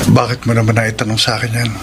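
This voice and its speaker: A man acting an affable, soft-hearted young gay boyfriend in a radio drama, speaking in an agreeable, expressive way. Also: fairly low pitch, quick pace, noisy background, natural voice. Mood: tender. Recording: radio drama with music underneath. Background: dramatic background music.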